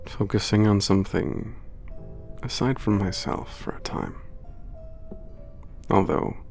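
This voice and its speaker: A man doing a centuries-old giant with a low, gravelly voice, calm and formal in speech. He is gentle and thoughtful. It plays as a soft ASMR audio drama with faint music behind him. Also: slow. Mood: reflective. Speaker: letter-writing narrator.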